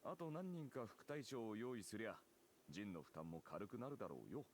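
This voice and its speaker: A man playing a gruff, grumbling but responsible knightly officer in a Japanese video game, blunt and offhand. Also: lowish voice, animated, rapid-fire, slight background noise, lightly acted. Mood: grudging, exasperated. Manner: blunt, offhand, rough-spoken.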